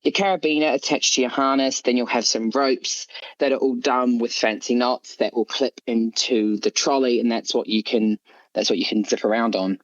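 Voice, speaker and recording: A man from the UK with a medium-pitched voice talks as a guest in a casual interview. He explains his thinking out loud as he goes. The recording is dry and a little dull and lo-fi. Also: fairly even intonation, normal speed, dry recording. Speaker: guest author. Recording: slightly dull, lo-fi audio.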